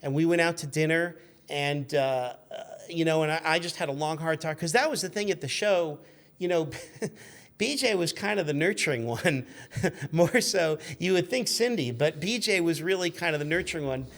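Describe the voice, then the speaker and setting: Rambling, higher-pitched middle-aged man. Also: moderate pace. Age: 50s. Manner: animated, rambling, acts out remembered quotes. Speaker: guest telling stories. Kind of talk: casual anecdotal storytelling.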